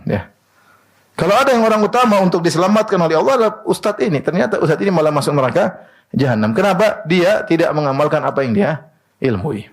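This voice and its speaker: A man's voice: high-pitched, slightly rough. A man preaching a sermon to a women's study group, asking rhetorical questions and answering them himself. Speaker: Islamic preacher.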